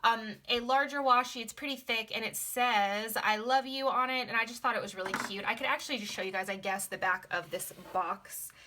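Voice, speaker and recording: A young woman chatting casually through a planner sticker haul, gushing and repeating words, her voice slightly hoarse from being sick. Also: on the high side, brisk, hardly any pauses, noisy background. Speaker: planner vlogger.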